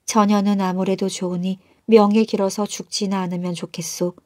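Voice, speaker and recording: A woman's voice: mid-range voice, flat delivery, normal speed, a little mellow, dry recording, clean studio sound, lightly acted. Brooding lonely magistrate, as a woman storyteller reads him. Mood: wistful. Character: lonely, fretful middle-aged male village magistrate. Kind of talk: storybook narration.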